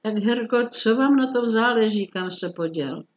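A man voicing a phlegmatic middle-aged police commissioner who talks in a dry, unhurried, grumbly way. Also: high-pitched, voice pushed up, close to an everyday voice.

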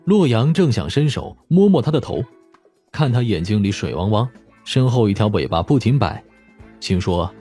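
A man narrates an audiobook in a dramatic, scripted manner. His voice is fairly low and husky, with very animated intonation, over faint music. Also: normal speed.

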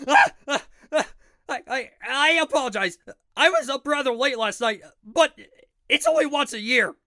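A man's voice: very high-pitched, expressive, moderate pace, pushed and bright, no echo, studio quality, exaggerated voice. A man playing a timid young clerk in an audio drama, stammering and apologetic. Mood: flustered. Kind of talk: fan audio drama acting.

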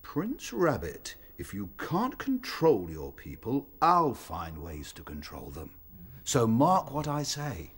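A man voicing a stern, commanding sun god in slow, grand proclamations for a radio play. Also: mid-range voice, huge pitch swings, a bit bright, breathy edge, exaggerated voice.

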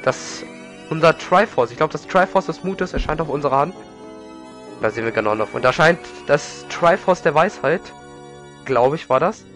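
A man's voice: on the high side, expressive, moderate pace, a bit bright. A man with a slight head cold giving casual, rambling video game commentary as a let's play host. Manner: informal, rambling, repeats words. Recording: game music behind. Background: video game music.

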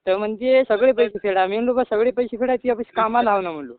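A man from Maharashtra makes a distressed phone call asking for help, pleading, rambling and repeating himself often. His high-pitched voice races along over a tinny phone line with no echo.

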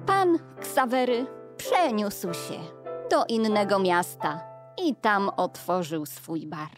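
A woman narrates an audio play for children. She takes her time in a mid-range voice, with clear music playing underneath. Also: medium pitch, lively intonation, takes it slowly. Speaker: storyteller narrator.

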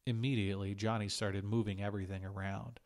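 A man reads fiction aloud as an audiobook narrator. His voice sits fairly low, and he delivers scripted narration. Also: flat delivery, fast, darkish tone. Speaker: audiobook reader. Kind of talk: scripted short story narration.

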